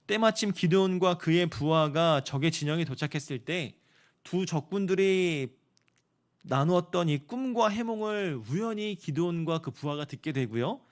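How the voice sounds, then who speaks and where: A young adult man giving a sermon to high school students, telling the story lively and acting out the soldiers' talk. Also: moderate pace. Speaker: youth pastor.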